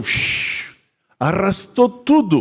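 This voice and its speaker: The voice moves through very wide pitch swings. The background is quiet. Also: man. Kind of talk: homily in church. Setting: church. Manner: folksy, conversational preaching full of rhetorical questions to the congregation; emotional storytelling, moved while recounting a flood victim's faith. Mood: emotional storytelling. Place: church. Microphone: handheld.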